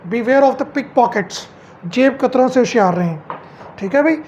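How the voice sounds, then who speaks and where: Woman, high voice, teaching English phrases, asks each phrase back then answers, dull lo-fi home recording. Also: expressive, measured pace, darkish tone, a little hiss or hum. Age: middle-aged.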